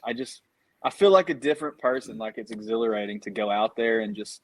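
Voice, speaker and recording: A man's voice: fairly low pitch, fast talker. A man, chatting as a podcast guest and telling stories in a laid-back way. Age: 30s. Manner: laid-back storytelling, frequent laughs. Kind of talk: casual chat.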